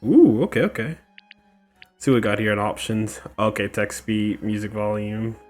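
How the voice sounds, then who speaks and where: A man's voice: fairly low pitch, moderate pace, darkish tone, soft background music. A man hosting a casual let's play, chatting informally and reacting aloud to the game. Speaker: gaming video host.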